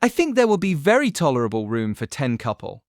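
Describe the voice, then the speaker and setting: An actor playing an eager, gallant young gentleman, smooth and persuasive, in an audiobook period drama. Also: medium pitch, huge pitch swings, brisk, no room sound, studio quality. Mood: optimistic. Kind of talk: audiobook full-cast period drama acting.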